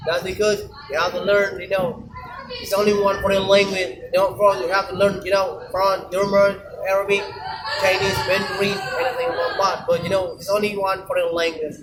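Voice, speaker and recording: A man from Indonesia with an Indonesian accent gives a rambling casual monologue in English, halting and repeating himself, often tagging phrases with "you know". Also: sits high, little pitch movement, noisy background. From Indonesia, Aceh. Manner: halting, repetitive, frequent "you know" tags. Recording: loud music behind the voice.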